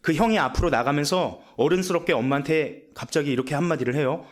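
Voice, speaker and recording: A man's voice: fairly high pitch, quick pace. A man preaching at a Friday night service, telling a testimony with dramatic, emotive storytelling. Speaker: evangelist. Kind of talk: sermon storytelling.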